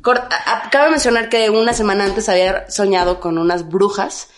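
A young Mexican woman telling a story in casual chat, animated, often breaking into laughing shrieks. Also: medium pitch, moderate pace, echoey room, a little hiss or hum. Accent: Mexican Spanish. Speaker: podcast co-host.

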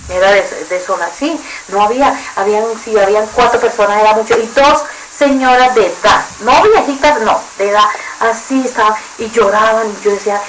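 Colombian woman haltingly recounting a dream. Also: medium pitch, noisy background. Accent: Colombian Spanish. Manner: halting, with restarts, searching for words. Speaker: interviewee giving a testimony.

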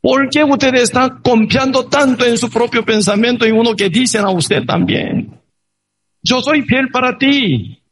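A man's voice: very high-pitched, a little slow, fairly bright tone, breathy edge, pitched above the performer's own voice, heavily acted. A man voicing a young male warrior who pleads his loyalty to a king, in an earnest, raised voice. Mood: pleading.

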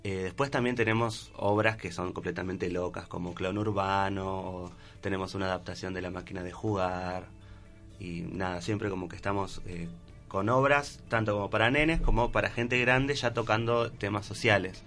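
A man's voice: deep voice, steady tone, moderate pace, vocal fry, fairly bright tone. A man with a Buenos Aires accent talking casually as a guest in a radio interview. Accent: Buenos Aires Argentine. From Argentina, Buenos Aires province. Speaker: guest, clown theatre performer. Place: radio studio. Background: music.

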